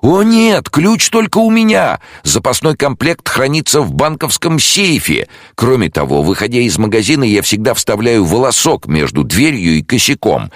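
A man's voice: medium pitch, big pitch swings, moderate pace, few pauses, dry recording, studio quality, voice pushed up. A man voicing a panicky middle-aged jeweler who pleads and wails near tears. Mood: anxious.

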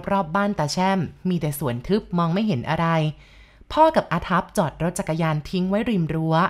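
A woman reading a ghost story aloud in a calm, even storytelling manner. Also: on the low side. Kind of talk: scripted narration of a ghost story.

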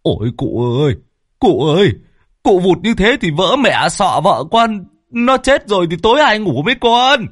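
A man's voice: high-pitched, very animated, normal speed, a bit bright, dry recording, clean studio sound, pitched above the performer's own voice, heavily acted. Man doing a whining, distraught husband. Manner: wailing, whining.

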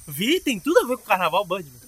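A man's voice: high-pitched, very animated, quick pace, a bit bright, slightly rough. A man co-hosting a comedy podcast, chatting in a playful, rambling, jokey way. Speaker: podcast co-host. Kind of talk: casual comedic banter.

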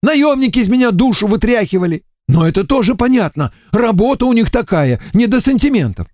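A man's voice: sits high, very animated, a little fast, a little mellow, dry recording, studio quality, voice pushed up. A man voicing a wily male demon emissary who pleads and whines in an audiobook. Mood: whining. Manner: pleading, whiny, wheedling.

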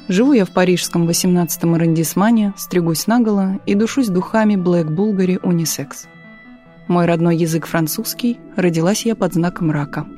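A woman narrating a literary audiobook in a calm, measured reading style. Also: on the low side. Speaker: audiobook reader.

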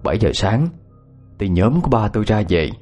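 Low-voiced male ghost storyteller. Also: sing-song, darkish tone, soft background music. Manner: measured, storytelling.

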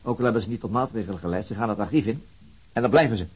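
An actor playing a sober, weary police detective in a radio drama, restrained and questioning, with a very husky voice. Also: male voice, fairly low pitch, very fast. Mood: thoughtful.

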